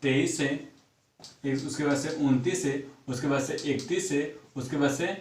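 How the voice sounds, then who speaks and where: A man's voice: fairly high pitch, a little slow, a little hiss or hum. A man teaching a math lesson, counting sums aloud and asking himself questions before answering them. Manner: repeats numbers aloud while working sums, asks and answers own questions. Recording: echoey room, far from mic.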